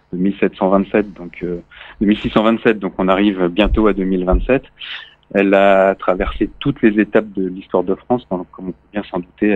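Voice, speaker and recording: A man's voice: fairly low pitch, no echo. A man who is the guest on a radio interview, explaining at length and stopping often with fillers and repeated words. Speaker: local official interviewed as guest. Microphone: phone. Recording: tinny phone line, dry.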